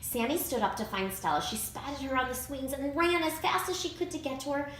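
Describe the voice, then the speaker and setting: A woman reading a children's picture book aloud in an expressive, emphatic way. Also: high-pitched, brisk. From United States. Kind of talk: read-aloud storybook narration. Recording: roomy echo, clear background noise.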